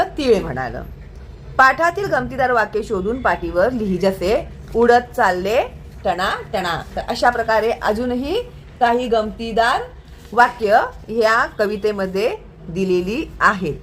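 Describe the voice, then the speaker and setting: A woman teaching a children's lesson, speaking slowly and patiently and checking often that the listener follows. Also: a little high, animated, fairly bright tone, slight background noise. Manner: patient, slow and singsong, checking understanding often. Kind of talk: Marathi lesson for young children.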